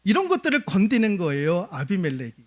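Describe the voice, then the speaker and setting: A man delivers a church sermon with a high voice that rises and falls constantly. He keeps asking the congregation questions and answering them himself, in a lively preaching manner. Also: fast talker. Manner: animated preaching with rhetorical questions; addresses the congregation often. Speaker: pastor. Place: church service.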